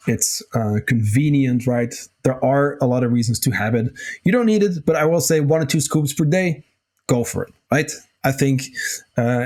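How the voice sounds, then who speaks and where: A man hosting a nutrition podcast, answering listener questions in a casual, loose way, a little hoarse, with plenty of fillers and the odd swear. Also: medium pitch, darkish tone. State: slightly hoarse, clears throat. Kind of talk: casual solo Q&A talk.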